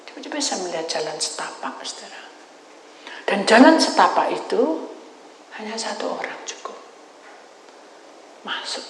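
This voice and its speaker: A woman pastor preaching a sermon, telling her testimony dramatically, swinging between loud cries and whispers. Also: mid-range voice, very animated, normal speed, long pauses. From Indonesia. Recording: echoey hall with long reverb, faint noise.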